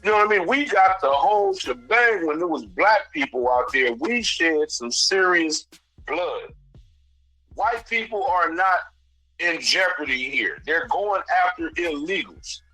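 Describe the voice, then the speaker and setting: A man calls in to a radio show with a bright, forceful voice on the higher side. He argues his point emphatically in loose street slang, with a dry, close sound and music running underneath. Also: no room sound, rough recording. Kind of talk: opinionated call-in debate.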